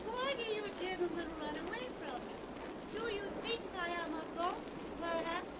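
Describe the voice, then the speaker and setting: An actress playing a mysterious, courteous young beauty with measured, formal, foreign phrasing, in 1930s radio style. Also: female voice, very high voice. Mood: teasing, courteous. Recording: noisy old 1930s radio broadcast recording.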